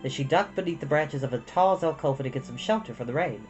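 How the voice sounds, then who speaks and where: A woman narrates a storybook in a low voice with lively, expressive intonation. Faint music plays behind her reading. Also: fast talker, muffled recording. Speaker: storytime reader.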